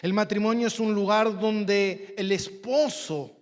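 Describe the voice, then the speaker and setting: A man's voice: high-pitched, steady tone, a little slow. A man with an Argentine accent, preaching a sermon as pastor, emphatic and repetitive, telling personal stories. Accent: Argentine Spanish. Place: church sanctuary. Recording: long church hall reverb.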